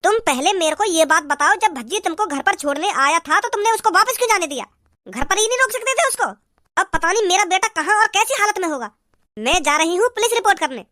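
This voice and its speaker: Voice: very high voice, animated, fast talker, bright, forceful tone, dry recording, clean studio sound, exaggerated voice. A performer voicing a worried village mother in a cartoon, scolding and demanding to know where her son is.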